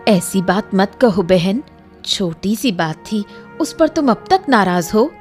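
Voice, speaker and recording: A woman voicing a gentle, apologetic elder daughter-in-law in a cartoon, coaxing and soothing. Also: mid-range voice, expressive, slow pace, faint music behind.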